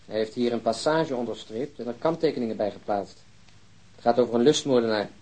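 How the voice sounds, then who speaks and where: A persistent police detective played by a man in a radio drama, with a slightly husky, middle-pitched voice. He presses a bereaved woman with blunt, insistent questions. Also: fairly quick, dark tone, lightly acted, poor audio. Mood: probing. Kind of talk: Dutch radio drama acting.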